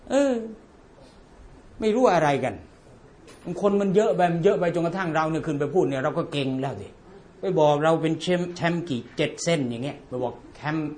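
A man's voice: fairly high pitch, a little mellow, a little hiss or hum. Blunt, joking male religious lecturer. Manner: joking, blunt and colloquial, chanting Arabic passages.

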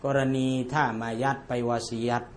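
A man's voice: moderate pace, slight background noise. A man giving an informal religious lecture, joking bluntly in everyday speech and chanting Arabic passages.

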